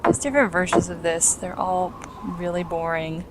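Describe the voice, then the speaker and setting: A woman's voice: lowish voice, animated, normal speed, heavy background noise. A young woman casually commenting on a video game she is playing, chatty and giggly, explaining what is on screen. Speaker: let's play host.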